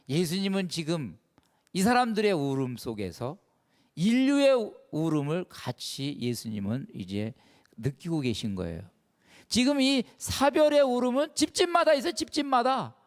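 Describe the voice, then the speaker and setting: A middle-aged man, a Catholic priest, giving a televised sermon lecture, asking rhetorical questions and swinging from soft asides to loud exclamations. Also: very high-pitched, gravelly, long reverb tail.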